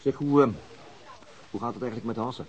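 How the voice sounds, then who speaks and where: A man's voice: mid-range voice, fairly even intonation, a little fast, close to an everyday voice. Man playing an easygoing policeman, slightly dull sound. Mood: curious, casual. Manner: hesitant, inquisitive, casual. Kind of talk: radio drama acting.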